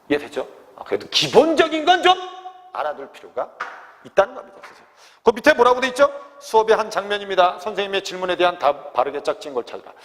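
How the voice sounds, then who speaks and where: A man's voice: high voice, fairly bright tone, long reverb tail, a little hiss or hum. A man teaching an exam grammar lecture to students. He keeps checking whether they have understood, and he calls himself "teacher". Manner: constant check-ins asking if students understood; refers to himself as teacher in third person. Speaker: Korean language teacher.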